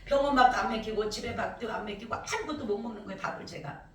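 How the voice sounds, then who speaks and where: A woman's voice: on the high side, fast talker, recorded from a distance. Emotional woman pastor, echoey church. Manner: emotional, animated storytelling, often rising loud. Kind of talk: emotional testimony sermon. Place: church service. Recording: echoey church from afar, faint noise.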